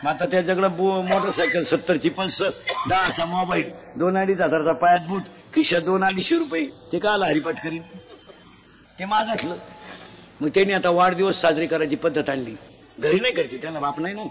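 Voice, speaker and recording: A man preaching a comic devotional sermon, scolding in a folksy way and quizzing the crowd for shouted answers. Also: high-pitched, a little fast. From Maharashtra. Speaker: kirtan preacher. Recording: live event with a loud crowd. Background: crowd responding and laughing.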